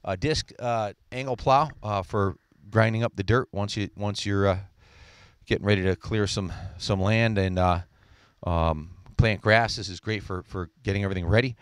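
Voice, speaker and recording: Middle-aged guy outside, low smooth voice, handheld mic, lots of uh and um. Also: steady tone, normal speed, no room sound, studio quality. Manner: rambling, many fillers and restarts. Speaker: seller presenting equipment. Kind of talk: casual walkaround sales pitch. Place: outdoors on a lawn.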